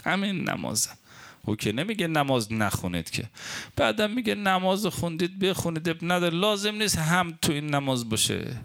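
A man, a cleric, preaching a sermon with animated delivery, sometimes mocking quoted opponents in a raised voice and dropping low and slow for Arabic prayers. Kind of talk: religious sermon.

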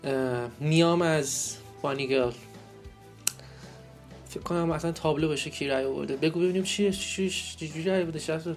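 Over soft background music, a man with a slightly high voice co-hosts a podcast, reading out poll results casually. Joking and laughing a lot, he tosses out playful rhetorical questions.

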